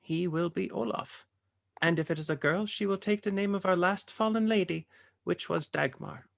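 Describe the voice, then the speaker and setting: A woman playing a calm, solemn village elder who preaches in a measured, creaky voice in a dramatic table read. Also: lowish voice. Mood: solemn, instructive.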